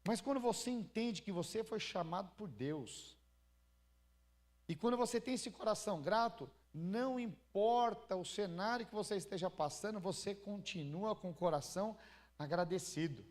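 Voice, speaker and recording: A Brazilian pastor with a fairly high voice preaches a sermon to his church. He talks in a loose, conversational way, acting out stories and asking the congregation questions. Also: normal speed, darkish tone. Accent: Brazilian Portuguese. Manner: conversational preaching with acted-out anecdotes and rhetorical questions.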